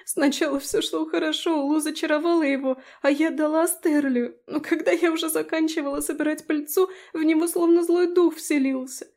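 A woman voicing a frightened, tearful young girl in a fantasy audiobook, high and plaintive. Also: fairly even intonation, normal speed, hardly any pauses, a little mellow. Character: girl Abi, young fairy-tale student, frightened and tearful.

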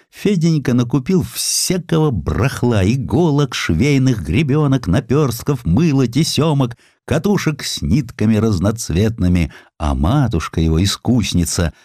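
A man narrating a historical sketch as a scripted audiobook, with theatrical, expressive delivery. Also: on the low side, no room sound, clean studio sound.

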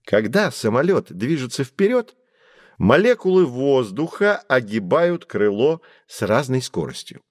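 A man playing a patient professor who explains things calmly to children in an audio drama. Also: mid-range voice, a little slow, no echo. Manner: calm, lecturing explanations. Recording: dry studio recording.

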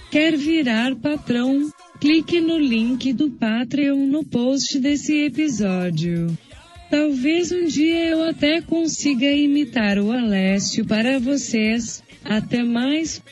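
This is a slow, high-pitched robotic text-to-speech voice with a female sound. It reads a scripted announcement in a flat synthetic way, with light music playing behind it. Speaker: podcast sponsor announcer.

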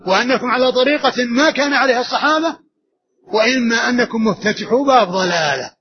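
A high-pitched man delivers an earnest religious lesson at a brisk pace, repeating key phrases for emphasis. The recording is dull and lo-fi with a faint hiss underneath. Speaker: religious teacher. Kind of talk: religious lesson explaining hadith.

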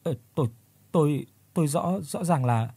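A man's voice: fairly high pitch, normal speed, mellow, breathy edge, no echo. A man voicing a terrified young male office worker who stammers and screams in panic in a spoken horror story. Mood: stammering fear.

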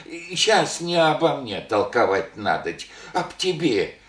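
An actor playing a humble, elderly widowed village father who speaks in halting rustic phrases full of fillers. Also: mid-range voice, sing-song, a bit bright, roomy sound. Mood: rambling. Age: older. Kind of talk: archival Soviet radio play acting.

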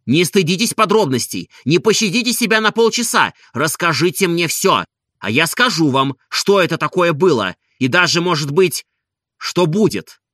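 A man's voice: on the high side, very animated, a little slow, pushed and bright, dry recording, clean studio sound, heavily acted. A reader voicing an earnest, shaken man who presses his questions insistently. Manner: insistent, urgent.

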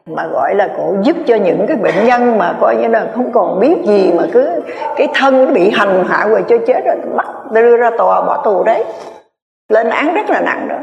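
Gravelly Buddhist nun in an echoey hall. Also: female voice, mid-range voice, darkish tone. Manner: rambling, many filler words. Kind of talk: sermon storytelling. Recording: echoey hall, distant mic.

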